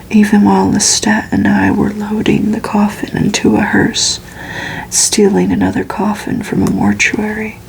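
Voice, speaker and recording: Slow, whispering woman reading aloud. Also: medium pitch, poor audio. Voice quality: breathy, unvoiced whisper. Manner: slow, measured, hushed storytelling. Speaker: ASMR reader. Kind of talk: whispered ASMR audiobook reading of a gothic novel.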